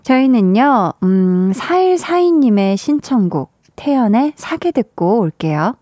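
A woman's voice: a little high, sing-song, measured pace, dark tone, dry recording. Cheerful woman radio DJ, dry studio sound. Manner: cheerful, encouraging. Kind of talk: late-night radio chat, reading listener messages. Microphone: studio microphone.

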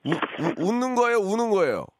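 A man hosting a phone-in radio show, teasing callers with deadpan banter. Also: high-pitched, quick pace, dry recording, clean studio sound. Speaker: radio host. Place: radio studio.

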